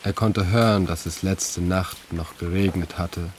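A man reading his own literary prose in a calm, measured, reflective way. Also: low voice, a little hiss or hum. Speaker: author and narrator. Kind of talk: scripted literary narration.

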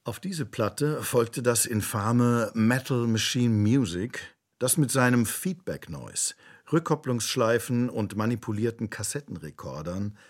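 Low-voiced man narrating, slightly husky. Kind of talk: scripted radio play narration.

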